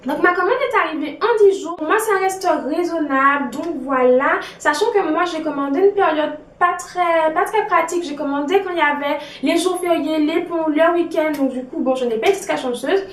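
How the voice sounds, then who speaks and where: A young woman chatting casually through a beauty haul, often filling pauses with "donc voilà". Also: very high-pitched, slight background noise. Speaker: beauty vlogger. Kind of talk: casual product review. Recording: echoey room, a bit far from mic.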